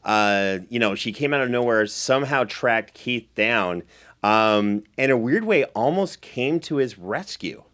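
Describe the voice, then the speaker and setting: A man's voice: medium pitch, lively intonation, measured pace, a bit bright. Male podcast host, mid-range voice, effusive and conversational, steering a recap discussion. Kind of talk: chatty recap show hosting.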